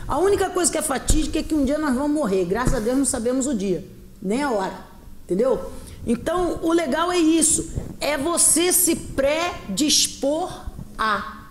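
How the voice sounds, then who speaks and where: A woman's voice: sits high, normal speed, echoey room, a little hiss or hum. A middle-aged woman with a Carioca Brazilian accent, an English teacher chatting as a guest and acting out dialogue with laughs. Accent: Carioca Brazilian Portuguese. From Rio de Janeiro, Brazil. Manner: expressive, acts out quoted dialogue, laughs often. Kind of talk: animated interview chat.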